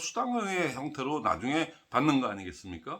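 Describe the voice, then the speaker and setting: The recording is very clean with a silent background, and the man's tone comes through bright and sharp. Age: 60s. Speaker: network marketing lecturer. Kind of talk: lecture. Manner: conversational with many fillers.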